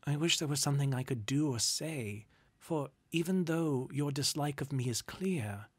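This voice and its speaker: A man's voice: medium pitch, animated, moderate pace, breathy edge. A man voicing a cheerful, good-hearted young nephew in a storybook, polite, earnest and a little mischievous. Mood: earnest, pleading.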